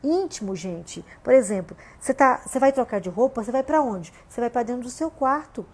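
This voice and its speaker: A woman's voice: on the high side, animated, brisk, slightly rough. A Brazilian woman pastor with a Brazilian Portuguese accent, preaching a conversational livestream sermon from home and often asking "né?". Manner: conversational preaching, frequent "né?" and "gente".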